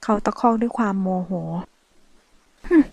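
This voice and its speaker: A woman reading a dramatic novel aloud in a steady storytelling voice. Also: fast, dry recording. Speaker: audiobook narrator. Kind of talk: scripted novel narration.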